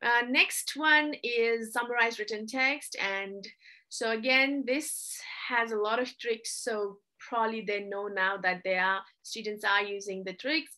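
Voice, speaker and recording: A young adult woman tutor explaining test changes in a casual, chatty way, often apologizing and filling pauses. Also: on the high side, fairly even intonation, sharp tone. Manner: chatty, apologetic, with frequent fillers.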